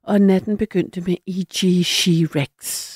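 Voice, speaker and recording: A woman's voice: fairly low pitch, level tone, darkish tone, slightly rough, no echo, clean studio sound. A woman hosting a late-night call-in radio show, chatty and a little hesitant, laughing easily with callers.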